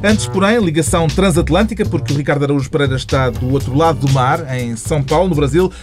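Portuguese radio host guy, teasing questions, bit high voice, faint music behind. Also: fast talker. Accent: European Portuguese. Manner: wry, playful questions. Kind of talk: radio show presenting.

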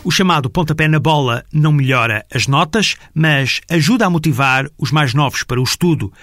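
A male reporter reads a scripted voice-over in a measured, formal way. His voice sits a little high for a man. The studio recording is dry and close. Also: a bit bright, dry recording. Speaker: reporter narrator.

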